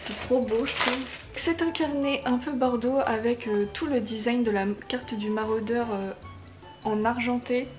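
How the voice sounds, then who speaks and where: A woman from unboxes products in an easy, chatty way. Her voice sits fairly high and she gushes with enthusiasm. Faint music plays softly underneath. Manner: gushing, enthusiastic. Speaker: unboxing vlogger. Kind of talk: casual unboxing chat.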